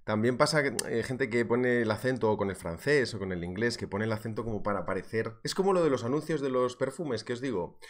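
A man's voice: mid-range voice, brisk, few pauses, a little hiss or hum. A man teaching a live trading webinar, joking and chatting as he reads viewer messages. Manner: jokey, chatty, reads viewer chat aloud. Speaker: trading instructor.

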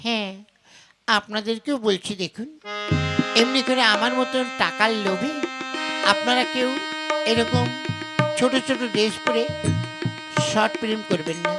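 A woman voicing a moralising village wife and mother in a Bengali folk puppet comedy, with a creaky voice. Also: on the high side, unhurried, pauses often, lightly acted. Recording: loud tabla and instrumental music behind. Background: loud folk music with tabla.

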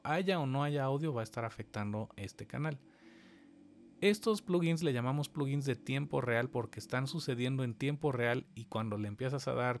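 A man, giving a step-by-step screen-recorded software lesson and talking straight to his viewers. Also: mid-range voice, vocal fry. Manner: explains step by step, addressing viewers directly. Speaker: instructor.

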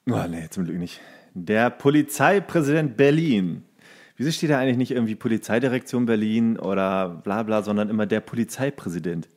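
A man's voice: lowish voice, a little fast, darkish tone. A man co-hosting a podcast in a casual, conversational style. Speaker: podcast co-host. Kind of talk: casual chat.

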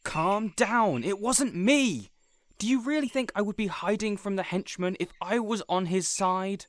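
A man playing a weary, reasonable young supervillain boss in a scripted audio roleplay, hesitant yet measured and exasperated. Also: high-pitched, lively intonation, no room sound. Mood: exasperated, firm.

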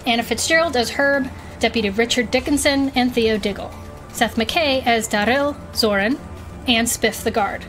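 A woman announcing the credits of an audio drama in an even, scripted way. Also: fairly high pitch, moderate pace, faint music behind.

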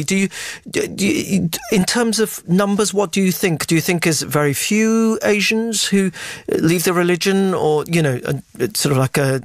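A man's voice: fairly high pitch, no room sound, clean studio sound. A man presenting a live radio debate as host. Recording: music playing under the voice. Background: music bed.

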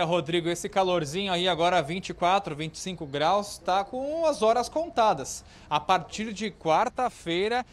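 A man with a rather high voice reports live from a city street, upbeat and chatty as he talks to viewers. He speaks into a handheld reporter mic outdoors. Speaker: field reporter.

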